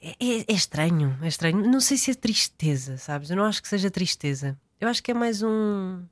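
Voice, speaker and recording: A woman's voice: mid-range voice, animated, a little fast. A young woman with a European Portuguese accent, an actress being interviewed, speaking reflectively with hesitations and frequent laughs. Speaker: guest, actress. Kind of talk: casual interview chat.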